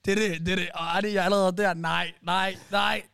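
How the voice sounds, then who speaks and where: A man's voice: high-pitched, gravelly, smooth, no echo, clean studio sound. A man hosting a casual podcast, telling a story with lots of restarts and like "bro", in phrases. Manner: animated storyteller, many restarts, slang like "bro" and "wallah". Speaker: podcast host.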